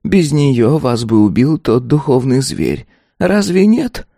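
A man voicing a tiny golden ghost servant who calmly and persistently needles his master, speaking in a hushed, drawn-out sing-song. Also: mid-range voice, creaky, no room sound, studio quality, pitched above the performer's own voice, exaggerated voice. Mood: calmly needling. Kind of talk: audiobook character voice.

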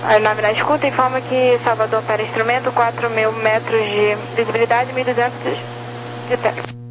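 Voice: medium pitch, little pitch movement, fairly quick. Radio transmission, air traffic controller, terse instructions, noisy channel. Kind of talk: clipped aviation radio calls.

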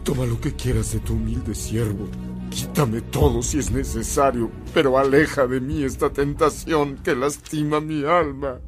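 An actor playing a devout, humble Catholic priest in a radio drama, solemn and heartfelt, with a Mexican accent. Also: male voice, medium pitch, steady tone, moderate pace, faint music behind, close to an everyday voice. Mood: anguished prayer.

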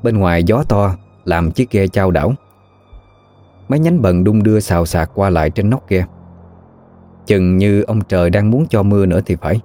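Deep dark-voiced male storyteller. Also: moderate pace. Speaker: narrator. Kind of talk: scripted narration of a ghost story.

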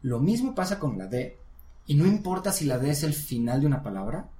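A man's voice: fairly high pitch, very animated, brisk, warm tone. Patient male teacher in a roomy space. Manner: encouraging, patient explaining. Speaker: English teacher. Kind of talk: one-on-one language lesson. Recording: roomy echo.

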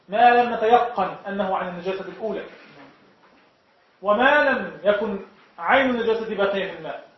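A man with an Egyptian Arabic accent leads a classroom lesson on jurisprudence and keeps asking the class whether each point is clear. His voice sits high. The recording is dull and lo-fi, with heavy echo from the lecture room. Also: slight background noise. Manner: explains point by point, often asks the class if it is clear. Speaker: sheikh teaching Shafi'i jurisprudence.

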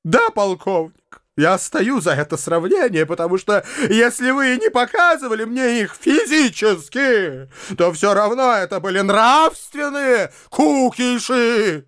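A man doing a shrill pompous hypocrite. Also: lively intonation, a little slow, a bit bright, smooth. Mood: indignant. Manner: declamatory, indignant, melodramatic. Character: pompous self-pitying male hypocrite, shrill and theatrical. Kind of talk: audiobook reading.

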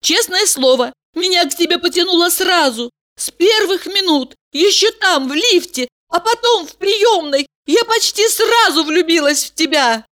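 Woman reading does a tall young blonde, impulsive and tearful, pitched way up, loud, every phrase swooping. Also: lively intonation, moderate pace, hardly any pauses. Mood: pleading. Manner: breathless high-pitched pleading cries.

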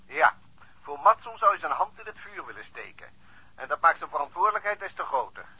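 A police superintendent in a radio play, dry and matter-of-fact. His voice is very bright and high, with a husky grain. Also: sing-song, a little fast, full character voice, rough recording. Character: dry, steady male police chief on the phone. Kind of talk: radio drama acting.

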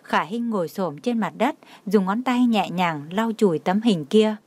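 A woman narrating a romance story in a steady, even audiobook reading. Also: mid-range voice, a little slow, dry recording.

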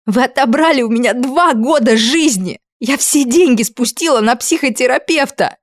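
A woman voicing a furious young woman who shouts accusations in a raised, shrill voice in an audiobook. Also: measured pace, husky, no room sound, clean studio sound. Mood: furious shouting. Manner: shouting, high and shrill, barking.

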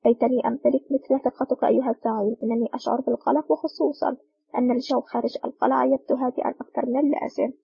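A man's voice: very high-pitched, little pitch movement, very fast, vocal fry, slightly rough, no room sound, highs cut off, heavily acted. A woman reading the lines of a nervous, worried male henchman in an audiobook, anxious in tone.

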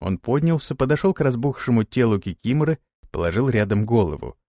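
A man narrating an audiobook with expressive storytelling. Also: medium pitch, brisk, no room sound, clean studio sound. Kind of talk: scripted narration.

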